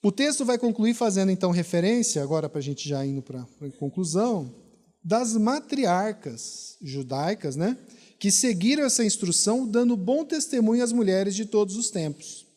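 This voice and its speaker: Brazilian pastor preaching in a reverberant hall. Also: male voice, high-pitched, animated, normal speed, mellow. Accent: Brazilian Portuguese. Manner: emphatic, repetitive rhetorical preaching. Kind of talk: sermon. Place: church hall.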